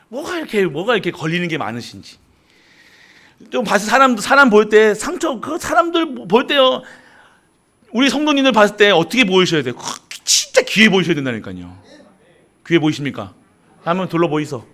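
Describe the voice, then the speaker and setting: Lively high-voiced pastor preaching. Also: male voice. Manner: animated, swings between loud emphasis and low asides, asks the congregation questions. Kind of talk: sermon.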